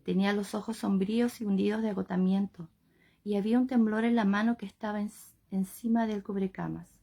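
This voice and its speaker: Lady reading an audiobook, gravelly voice, mid pitch, takes her time. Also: fairly even intonation, a little fast, warm tone. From Chile. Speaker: volunteer audiobook reader.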